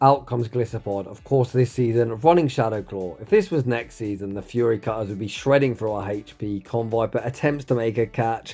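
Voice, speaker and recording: Fairly quick speech comes from a man with a dark, mellow tone. His pitch sits in the medium range, with ordinary variation. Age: 30s. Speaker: Pokemon Go video commentator. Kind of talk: live commentary. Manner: animated.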